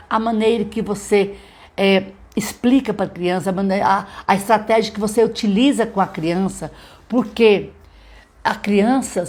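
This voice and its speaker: A woman's voice: mid-range voice, darkish tone. Woman, teacher, live-stream lesson, chatty, encouraging. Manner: chatty, checks in with frequent tag questions. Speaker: literacy teacher.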